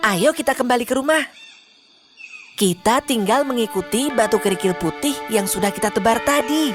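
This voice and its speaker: Woman as smart young boy, brave and lively, cartoon kid voice. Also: a little high, normal speed, over music, close to an everyday voice. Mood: reassuring. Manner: lively and reassuring. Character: clever, brave young boy, the older brother. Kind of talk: cartoon voice acting.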